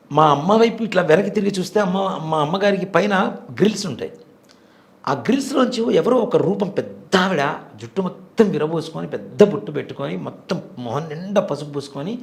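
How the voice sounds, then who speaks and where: A man in his forties, a temple priest, earnestly telling a devout personal story in an interview. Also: a little high. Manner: earnest, devout, vivid retelling.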